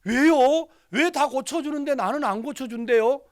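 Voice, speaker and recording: A man acting out a dying young woman, a patient, who pleads and speaks with resentment in high outbursts. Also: normal speed. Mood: pleading.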